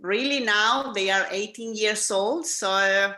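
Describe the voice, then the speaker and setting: A woman in her forties from Chile, a teacher and author, speaking as an interview guest in an unhurried, modest way with soft laughs. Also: medium pitch. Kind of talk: casual interview chat. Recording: roomy echo.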